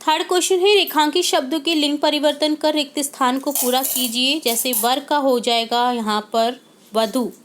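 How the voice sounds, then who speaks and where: A woman teacher patiently working through a grammar worksheet step by step, often pausing to check in with her students. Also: high-pitched, steady tone, fairly bright tone, a little hiss or hum. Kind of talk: worksheet solution lesson.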